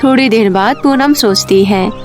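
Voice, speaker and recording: A woman narrates a scripted children's moral story in a high-pitched voice. Faint music plays beneath her storytelling. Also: normal speed.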